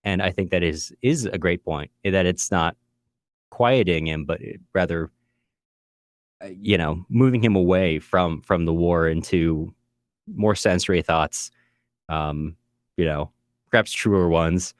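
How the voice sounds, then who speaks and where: A man's voice: low-pitched, unhurried, long pauses, no echo, studio quality. A man from California with an American accent, co-hosting a casual literary discussion in a reflective way with some wry joking. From California, USA. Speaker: podcast co-host.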